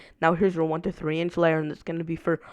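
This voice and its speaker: This man speaks in a high pitch. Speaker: amateur weather forecaster. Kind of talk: weather forecast video. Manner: quieter than usual; halting, many fillers.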